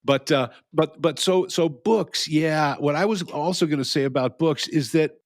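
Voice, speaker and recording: A man's voice: on the high side, normal speed, no echo. Dry-sounding rambling male podcast co-host. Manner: rambling, restarts often, laughs at own jokes. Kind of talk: casual philosophical chat.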